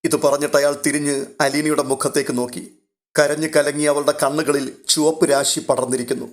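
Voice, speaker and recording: A man reading a scripted, literary audio story in a measured, emotive way. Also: a little high, level tone.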